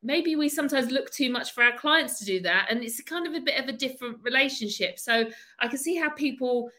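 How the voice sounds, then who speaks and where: A woman co-hosting a podcast, chatting casually and laughing often as she thinks out loud. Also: high voice, a little fast. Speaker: podcast co-host.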